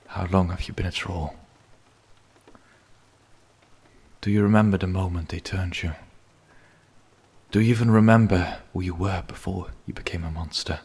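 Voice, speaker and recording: A man playing a grim, menacing vampire hunter in an ASMR roleplay, speaking slowly and solemnly in a husky voice that often sinks into a whisper. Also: sits low, a bit bright, exaggerated voice. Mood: grim resignation. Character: grim male vampire hunter, menacing yet pleading captor. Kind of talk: ASMR roleplay, dramatic monologue.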